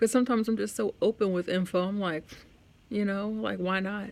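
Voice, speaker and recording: A woman talks in a normal speaking voice with an American accent. Her pace is fairly quick. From United States. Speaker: vlogger. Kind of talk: casual monologue. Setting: at home. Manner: filler-heavy, rambling delivery.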